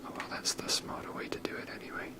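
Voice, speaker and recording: A person whispering softly and breathily in a casual, rambling ASMR commentary while playing a video game. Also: fast talker.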